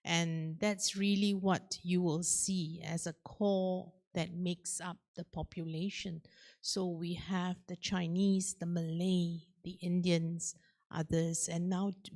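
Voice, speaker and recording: A woman from Singapore with a Singaporean English accent, giving a measured, explanatory answer on a panel with frequent fillers. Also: lowish voice, dark tone. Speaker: forum panelist.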